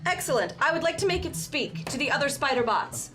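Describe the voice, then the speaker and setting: A woman's voice: high voice, very animated, brisk, pushed and bright, soft background music. A woman playing a tabletop game, speaking in a formal, polite way. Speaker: player.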